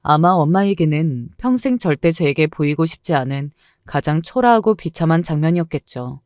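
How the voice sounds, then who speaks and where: A woman's voice: low voice, darkish tone, clean tone, dry recording, clean studio sound. A woman narrating a first-person dramatic true story with emotional, indignant delivery.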